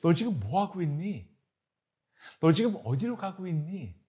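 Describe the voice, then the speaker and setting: A man voicing a loving heavenly father who softly and tenderly pleads with his hiding child to come out. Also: high voice, sing-song, a little slow, pitched above the performer's own voice. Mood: tender pleading. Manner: tender, pleading, soft-spoken.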